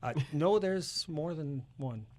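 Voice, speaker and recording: Slightly high-pitched man in casual banter. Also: animated, slow pace, darkish tone. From Canada. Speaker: radio show director.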